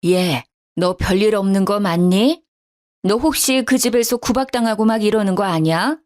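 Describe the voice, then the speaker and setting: A woman's voice: mid-range voice, moderate pace, a little mellow, close to an everyday voice. A woman voicing an indignant middle-aged mother in a storybook drama, talking in an agitated, scolding way.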